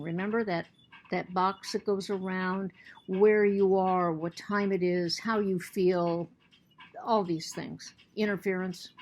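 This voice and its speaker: A woman's voice: medium pitch, a little mellow. A woman teacher giving a recorded lecture to her students, earnest, often repeating and restarting words, and she has the hiccups.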